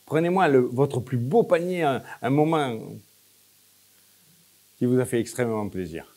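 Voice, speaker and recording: A man leading a hypnosis session, giving short, repetitive, coaxing instructions with pauses between phrases. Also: medium pitch, expressive, a little mellow. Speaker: hypnosis practitioner leading a demonstration.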